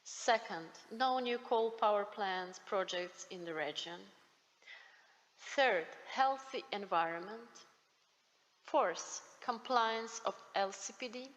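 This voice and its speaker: A woman panel speaker closing her talk by reading out a numbered list of priorities, slow and deliberate. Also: mid-range voice, a bit bright. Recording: long reverb of a large hall.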